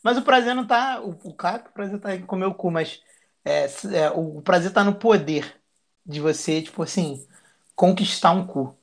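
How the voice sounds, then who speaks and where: A man's voice: high voice, moderate pace. A man, a podcast guest talking in a crude, slangy, boisterous way. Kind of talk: casual chat.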